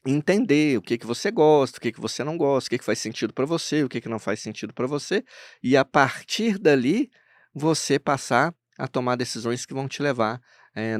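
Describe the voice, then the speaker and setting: A man's voice: medium pitch, no echo. A Brazilian therapist hosting a podcast conversation, speaking in a mid-range voice that sits close and dry in the mic. He explains patiently and keeps checking in with his listener. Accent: Brazilian Portuguese. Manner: explanatory, frequent "né?" tag questions. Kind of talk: conversational interview.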